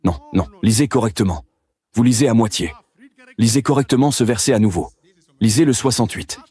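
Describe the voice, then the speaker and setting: A man's voice: on the low side, fairly quick, darkish tone, slightly rough, no room sound. A man answering an audience question in a public debate, insistent and curt, repeating his demands.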